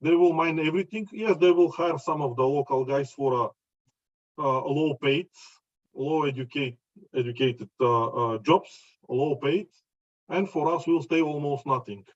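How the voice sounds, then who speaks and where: Halting Bulgarian-accented man presenting, slightly muffled. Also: a little high. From Bulgaria, mining region near Chelopech. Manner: halting, hesitant, searching for words in non-native English. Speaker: mining company representative giving a presentation. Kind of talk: conference presentation with slides. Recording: slightly dull, lo-fi audio.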